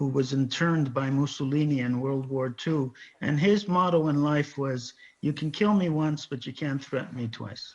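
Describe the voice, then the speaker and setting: With a normal speaking voice at a fairly high pitch, a man talks at a moderate pace with ordinary pitch variation over a quiet background. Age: 60s. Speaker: constitutional lawyer. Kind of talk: panel discussion.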